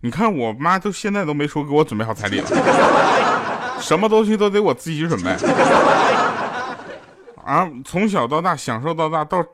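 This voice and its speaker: A podcast host with a slightly high voice and wide pitch swings delivers a teasing comedy monologue at a moderate pace, leaving long pauses and chuckling through his punchlines. The recording carries loud hiss and clicks.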